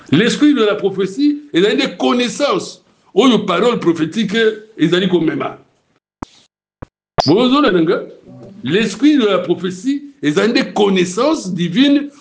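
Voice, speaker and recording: Prédicateur congolais à la voix rocailleuse. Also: male voice, high-pitched. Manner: preaching in Lingala mixed with French, asking the crowd if it is clear. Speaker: preacher. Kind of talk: sermon.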